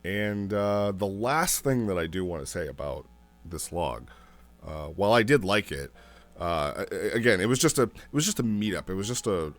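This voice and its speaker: A man giving a casual, unscripted review as a host, rambling a little and thinking aloud as he goes. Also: sits low. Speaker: host reviewing roleplay logs.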